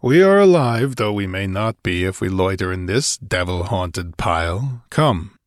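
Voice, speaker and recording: A man narrator acts out a gruff giant of a barbarian in a fantasy audiobook. He growls and snarls in blunt sentences, with grim humor underneath. The sound is dry and close. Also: low voice, expressive, measured pace, dry recording.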